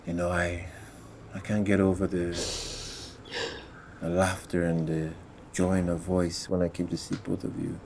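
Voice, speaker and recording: A man playing a gentle uncle who soothes and reassures a grieving child. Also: deep voice, flat delivery, moderate pace, pauses often, a little hiss or hum. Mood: soothing. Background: music score.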